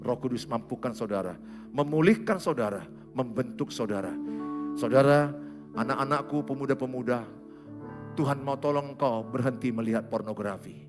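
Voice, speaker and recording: A man, a pastor preaching a sermon in a church hall, animated and given to sudden loud exclamations. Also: medium pitch, moderate pace, over music.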